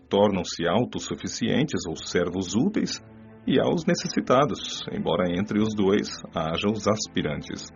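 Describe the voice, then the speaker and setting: Brief: male actor as a wise spirit guide, lower voice, calm lecturing tone, muffled recording with faint music. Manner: measured, solemn lecturing. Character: wise male spirit mentor giving a moral lesson. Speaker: mentor character. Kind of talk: radio drama reading. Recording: dull lo-fi audio with soft music.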